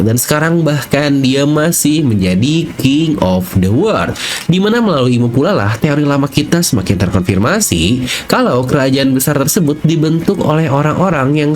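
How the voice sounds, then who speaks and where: A man's voice: mid-range voice, darkish tone, a little hiss or hum. A man hosting a channel, narrating fan theories in a chatty, step-by-step way with casual fillers. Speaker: channel host.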